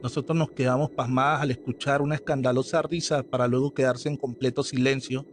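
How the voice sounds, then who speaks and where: A man reading a scripted horror story aloud as narrator, in a slow, measured storytelling manner. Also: mid-range voice, a little hiss or hum. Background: faint background music.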